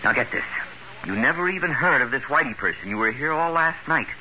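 A man's voice: medium pitch, lively intonation, brisk, close to an everyday voice. An actor playing an urgent, bossy salesman roommate in a 1940s radio drama, firing insistent questions and orders. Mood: tense, commanding. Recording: dull, hissy old radio recording.

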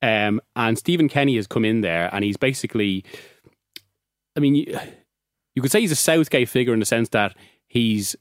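A man's voice: medium pitch, animated, moderate pace, dry recording, studio quality. A man with an Irish accent talking football as a regular on a podcast, chatty, often restarting and laughing. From Ireland. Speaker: football journalist. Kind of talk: casual podcast discussion.

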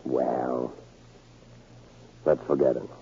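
An actor playing a smug, cold-blooded, controlling spy villain in a 1940s radio drama, with a gruff, rough voice. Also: male voice, extremely low pitch, flat delivery, extremely slow, warm tone, full character voice. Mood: plausible, subdued. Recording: scratchy, narrow-band 1940s radio recording.

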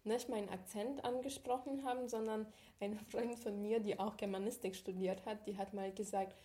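A young woman from Ukraine co-hosts a relaxed podcast chat in a mid-range voice. She listens attentively, dropping short agreeing sounds and asking follow-up questions. Ukrainian is her first language. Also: medium pitch, moderate pace. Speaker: podcast co-host. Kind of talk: casual conversation.

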